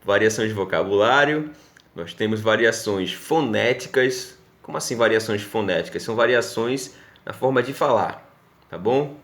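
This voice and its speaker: A man's voice: lowish voice, expressive, normal speed, a bit bright. A male teacher with a Pernambuco Brazilian Portuguese accent giving a recorded class lesson, explaining step by step and checking in with his students often. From Northeast Brazil.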